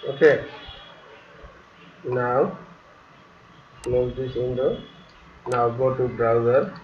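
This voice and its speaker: A man narrating a step-by-step software tutorial in simple, halting, non-native English phrasing. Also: mid-range voice. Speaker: tutorial host. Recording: roomy, distant, dull mic with faint hiss.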